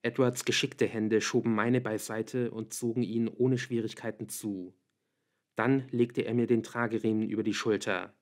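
A man reads an audiobook aloud at a measured, steady pace. His voice sits in the middle range and the delivery stays even. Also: medium pitch. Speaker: audiobook reader. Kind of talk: audiobook narration.

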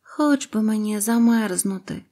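A woman's voice: medium pitch, measured pace, mellow, lightly acted. A woman doing a sad little apple tree. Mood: plaintive. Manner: plaintive, wistful. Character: small sad sour-apple tree, young and gloomy.

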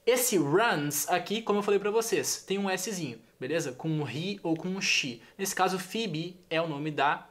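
A man's voice: sits high, normal speed, hardly any pauses, a bit bright. A young Brazilian man with a Brazilian Portuguese accent, chatting enthusiastically as he teaches in a casual video lesson and repeats his examples. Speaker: English teacher.

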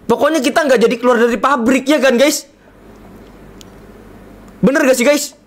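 A man's voice: extremely high pitch, normal speed. A man from Indonesia, playful and chatty, giving casual live commentary while streaming a game and constantly calling out to viewers. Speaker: gaming streamer.

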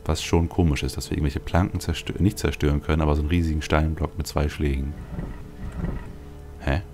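A man with a very deep voice full of vocal fry talks through a video game. He rambles casually, thinking aloud as he plays. Game music runs clearly behind him. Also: fairly even intonation, fairly quick. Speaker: let's play host. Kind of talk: casual gameplay commentary.

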